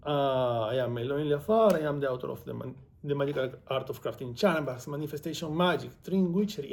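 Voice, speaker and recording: An author and vlogger from Venezuela, a native Spanish speaker with a Venezuelan accent, chats casually to camera, wandering off on tangents and poking fun at himself. His voice is fairly high, creaky and a little mellow, with slight hiss or hum in the audio.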